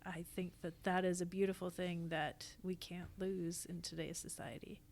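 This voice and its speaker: A woman's voice: fairly low pitch, little pitch movement, normal speed, gravelly, a little mellow. A woman speaking as a podcast guest in casual, reflective conversation, with an earnest, emphatic way of talking. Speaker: podcast guest, theatre actor and company founder.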